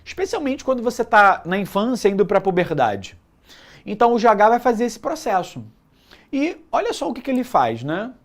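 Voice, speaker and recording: A man's voice: sits high, moderate pace. A man teaching a live online biology class for exam prep, casual and joking, full of slang. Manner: slangy, joking, lively lecturing.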